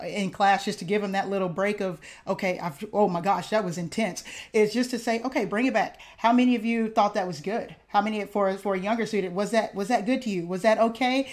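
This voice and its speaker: A woman's voice: medium pitch, a little mellow. Earnest woman band director on a call. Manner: earnest, explanatory, with frequent fillers. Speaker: high school band director. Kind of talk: video call panel discussion. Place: home office. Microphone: video call webcam.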